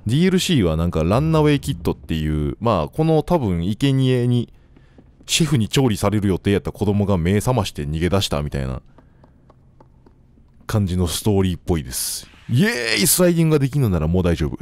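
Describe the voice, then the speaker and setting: A young man with a Kansai accent giving casual, joking commentary while playing a game, talking to the characters and shouting now and then. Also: low voice, sing-song, quick pace, no echo. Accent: Kansai Japanese. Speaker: gameplay commentator. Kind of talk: casual let's-play commentary. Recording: faint game music behind.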